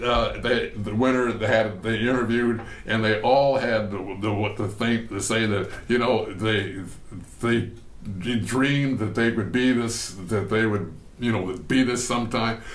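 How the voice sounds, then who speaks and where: Audible room echo surrounds a man of medium pitch. He speaks at a fairly slow pace with fairly even intonation. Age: 80s+. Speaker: bodybuilder. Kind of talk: interview. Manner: halting, many repeated words.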